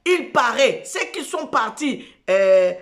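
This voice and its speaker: A woman hosts her own show, speaking in a slow and emphatic way. She repeats herself and restarts phrases as she preaches. Her voice sits a little high. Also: sing-song, creaky. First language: Lingala. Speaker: host of an online show. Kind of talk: preaching talk show monologue.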